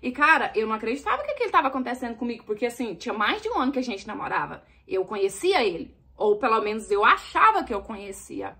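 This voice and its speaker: A young Brazilian woman telling a story to her viewers, animated, acting out the dialogue. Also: on the high side, fast, hardly any pauses, husky. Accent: Brazilian Portuguese.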